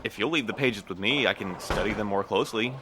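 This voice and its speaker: An actor playing a guarded, weary postmaster in an audio drama, speaking in a careful, slightly formal, measured way. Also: male voice, on the low side, noisy background, lightly acted. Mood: measured, thoughtful. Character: guarded, weary postmaster man, evasive but courteous. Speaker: actor in a fiction podcast.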